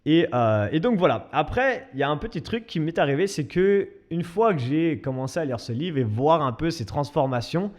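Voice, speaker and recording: A man's voice: on the high side, animated, normal speed, few pauses. A young man hosting his own podcast, talking casually and self-mockingly with many restarts. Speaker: podcast host and fitness coach. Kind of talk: casual solo podcast monologue.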